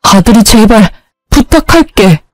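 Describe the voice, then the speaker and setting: A woman's voice: fairly high pitch, animated, measured pace, no room sound, faint music behind, rough recording. A woman voicing a young husband who pleads tearfully and apologizes. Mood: pleading.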